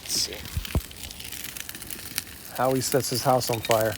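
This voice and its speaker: A man on a casual live stream from his phone, rambling and swearing as he talks with his mouth full and often clears his throat. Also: medium pitch, little pitch movement, takes it slowly, noisy background. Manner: talks while eating. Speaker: musician livestreaming to fans. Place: at home grill, cooking dinner. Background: sizzling food on the grill.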